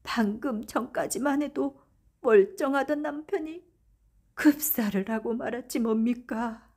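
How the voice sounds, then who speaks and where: High, theatrical, scheming robber wife, voiced by a woman. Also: unhurried, a little mellow. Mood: feigned grief. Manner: theatrical, affected. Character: scheming, greedy robber wife luring travellers with false grief.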